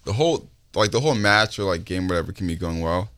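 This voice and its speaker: A young man with a deep voice chats casually. He talks like a frat bro, leaning on slang, loose swearing and a constant "like" as he rambles. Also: animated, fast, fairly bright tone. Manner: slangy frat-bro talk, frequent profanity and "like". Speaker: interview guest, touring recording artist. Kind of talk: casual chat.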